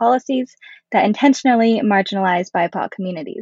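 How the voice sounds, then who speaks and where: A woman's unremarkable speaking voice, fairly high and fairly quick, with ordinary pitch variation. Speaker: podcast co-host. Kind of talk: casual podcast interview.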